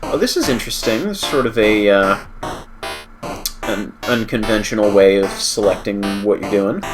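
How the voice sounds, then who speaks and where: A man's voice: lowish voice, expressive, moderate pace, over music. A man hosting a game livestream, stuffy from a cold, with wry, self-correcting commentary as he thinks aloud. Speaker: livestream host playing a game. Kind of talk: let's-play commentary.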